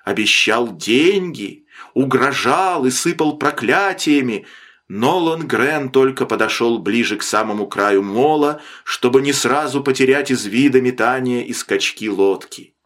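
Dramatic male audiobook narrator. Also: medium pitch. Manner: expressive, dramatic reading with slowed emphatic phrases. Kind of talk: scripted literary narration.

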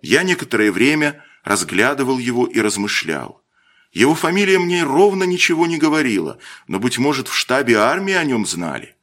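Male audiobook reader, lively intonation, mid pitch, measured delivery. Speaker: narrator. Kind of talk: audiobook narration.

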